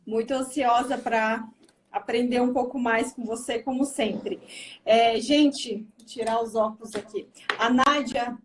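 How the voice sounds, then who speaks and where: A woman's voice: fairly high pitch, steady tone, unhurried. A woman hosting a live stream, welcoming her guest and talking to viewers in a chatty way. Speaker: host.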